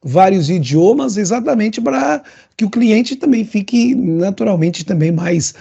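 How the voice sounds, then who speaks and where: A man from northern Portugal speaks in a husky, gravelly voice with a European Portuguese accent bent toward Brazilian. He talks in an animated way, full of fillers and asides. The sound is dull and lo-fi. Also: sits high, measured pace. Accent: European Portuguese, adapted toward Brazilian. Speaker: guest, LinkedIn consultant. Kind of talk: casual interview chat.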